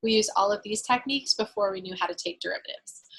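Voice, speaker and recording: Speaking at a very fast pace, a woman with an American accent uses a medium pitch. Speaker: math teacher. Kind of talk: lecture.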